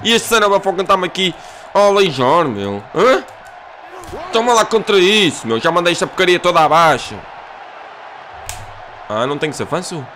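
A young Portuguese man commentating a video game in an excitable, loud way, swearing and mixing in English phrases, with faint music behind him. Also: high-pitched, normal speed, pauses often, background noise. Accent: European Portuguese. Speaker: gaming youtuber.

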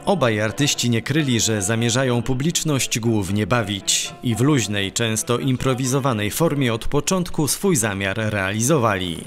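Male news voice-over, formal and measured, faint music underneath. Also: medium pitch. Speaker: news reporter. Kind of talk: scripted narration.

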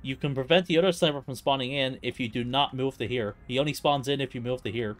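A man's voice: mid-range voice, fast talker, a bit bright. A man live-streaming casual gameplay commentary in a chatty way, often repeating himself.

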